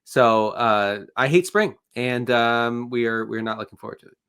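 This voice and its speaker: A man's voice: medium pitch, normal speed, a bit bright, clear, resonant tone. Congested man with dry humor. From Washington, D.C. area. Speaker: podcast co-host. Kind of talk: casual sports chat.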